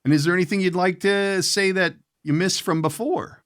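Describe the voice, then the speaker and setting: A man's voice: sits high, fairly even intonation, moderate pace, a bit bright. A man hosting a podcast, asking rambling, folksy questions in casual conversation. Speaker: podcast host, voice actor. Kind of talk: casual interview chat.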